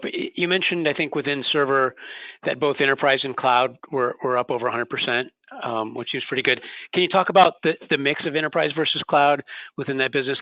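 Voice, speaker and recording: A man's voice: medium pitch, no echo. A man working as a financial analyst, asking questions on an earnings call. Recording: dry, slightly dull phone call.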